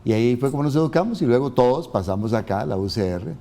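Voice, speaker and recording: A man in his seventies from Costa Rica, answering interview questions in a calm, measured way. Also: mid-range voice. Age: 70s. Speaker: guest.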